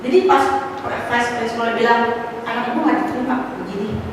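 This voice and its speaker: A middle-aged woman tells her personal testimony at a church fellowship, animated and climbing to lively exclamations, with casual asides, slang and English words mixed in. Her fairly high voice moves a little fast, and she has a slight cough. Recorded in an echoey church hall, she sounds far off, with background noise.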